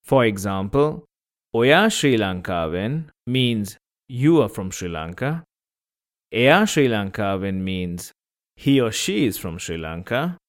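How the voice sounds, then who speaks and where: A man's voice: fairly low pitch, sing-song, takes it slowly. A man teaching a language lesson on a podcast, patiently repeating examples and breaking words into syllables.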